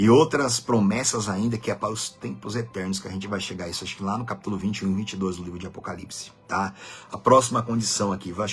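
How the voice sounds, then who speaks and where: A man at a fairly low pitch, with ordinary pitch variation, a very fast pace and hardly any pauses. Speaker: Bible teacher. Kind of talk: Bible study livestream. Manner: animated.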